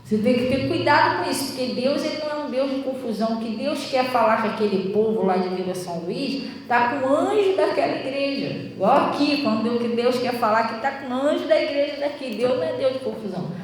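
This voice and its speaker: A Brazilian woman pastor with a Brazilian Portuguese accent, preaching and telling a story with lively acted-out quotes. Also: high-pitched, fairly quick, hardly any pauses, a little hiss or hum. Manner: animated storytelling, acting out quoted voices, laughing often. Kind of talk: sermon with storytelling. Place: church hall. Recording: echoey church hall, voice from a distance.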